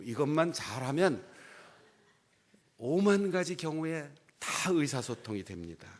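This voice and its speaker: A middle-aged man preaching a sermon as pastor, with expressive delivery that swings between loud emphasis and low, hushed asides, and a folksy, humorous touch. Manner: folksy, acts out dialect quotes for humor.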